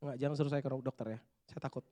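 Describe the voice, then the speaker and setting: Male youth pastor, slangy and animated sermon, hushed asides to shouted bursts. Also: medium pitch, racing. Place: church hall.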